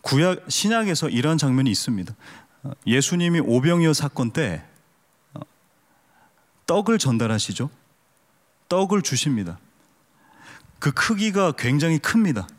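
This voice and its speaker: A man's voice: a little high, big pitch swings, moderate pace, long pauses. A man pastor preaching a sermon with humor, questioning the congregation and asking them to raise their hands. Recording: long hall reverb.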